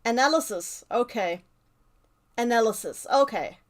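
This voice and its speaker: A woman's voice: fairly high pitch, lively intonation, unhurried. A young woman in her twenties with a German accent, a native German speaker, chatting casually with viewers while playing a game on a live stream. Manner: chatty, answering viewer chat mid-game.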